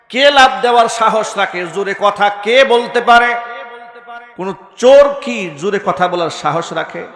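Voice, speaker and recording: Fiery high-voiced preacher, echoing. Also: male voice. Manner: impassioned, rhetorical questions to the crowd, bursts into shouting. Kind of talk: Islamic sermon. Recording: echoey hall with long reverb.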